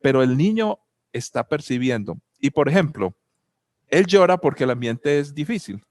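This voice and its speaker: A man's voice: on the high side, sing-song, normal speed, dry recording, studio quality. Colombian man posing rhetorical questions. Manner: asks many rhetorical questions; tells personal anecdotes. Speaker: speaker on family and spirituality. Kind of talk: reflective talk.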